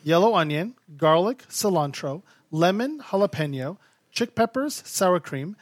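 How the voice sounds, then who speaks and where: High-voiced playful man, dry sound. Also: animated, dry recording. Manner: playful, hyping, halting with many fillers. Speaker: podcast co-host, quiz master. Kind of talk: casual chat.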